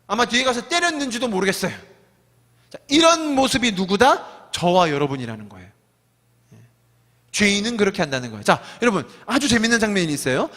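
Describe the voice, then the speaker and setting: A man's voice: sits high, fairly bright tone, big-room sound. A man preaching a sermon as pastor, emphatic, asking the congregation rhetorical questions and acting out scolding voices. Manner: acts out scolding crowd voices. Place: church sanctuary.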